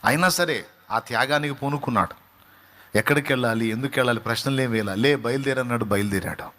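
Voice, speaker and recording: A man's voice: mid-range voice, fast talker, fairly bright tone. Fervent male preacher. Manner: fervent, rising to emphatic peaks, dramatic quoted lines. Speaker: pastor. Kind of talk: sermon.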